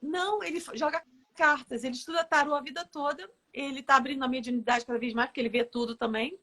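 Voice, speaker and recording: A woman, a therapist and guest, telling stories in a casual interview with a lively, laughing manner. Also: sits high, fast. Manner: lively storyteller, laughs often. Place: live online interview.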